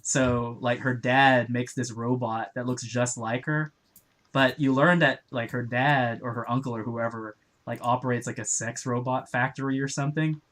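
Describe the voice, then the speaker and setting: A man's voice: mid-range voice, steady tone, normal speed, a bit bright. A man chatting casually as a co-host, rambling with many filler words. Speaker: podcast co-host. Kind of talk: casual chat.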